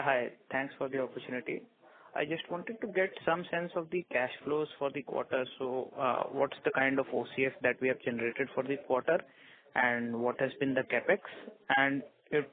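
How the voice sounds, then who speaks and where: A man's voice: medium pitch, fairly even intonation, moderate pace. A man asking questions as an analyst calling in to an earnings call. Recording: tinny, radio-like phone line.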